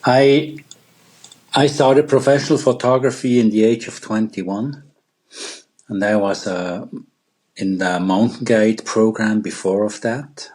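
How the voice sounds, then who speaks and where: Man, Swiss accent, middle-aged, very low voice, slow, halting, podcast guest. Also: steady tone, darkish tone, rough recording. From Switzerland. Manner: halting, with frequent pauses and restarts. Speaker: guest wildlife photographer. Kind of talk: podcast interview, reflective storytelling.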